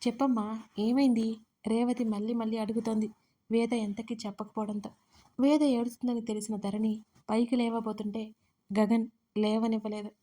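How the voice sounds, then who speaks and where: A woman storyteller reading a dramatic audio story in a steady, scripted narration. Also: on the high side, moderate pace.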